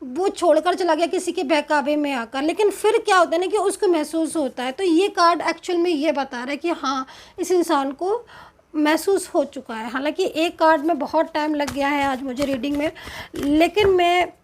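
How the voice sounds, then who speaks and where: A woman with an Indian accent giving a tarot reading in a slow, hesitant, explanatory way, full of fillers and pauses. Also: high-pitched. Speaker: tarot card reader.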